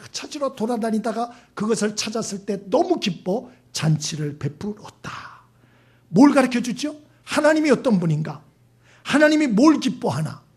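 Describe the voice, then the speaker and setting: A man's voice: high voice, a little mellow, husky. A male pastor preaching a sermon, asking his congregation questions and acting out the voices in his stories. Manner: asks the congregation questions, acts out quoted voices.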